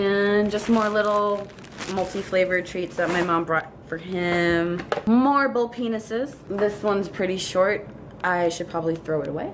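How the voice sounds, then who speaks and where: Noticeable background noise surrounds a woman speaking with a Long Island accent. Her pitch varies in an ordinary way. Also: medium pitch for a woman, moderate pace. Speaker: dog owner vlogger. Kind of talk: casual product show-and-tell. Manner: chatty, rambling.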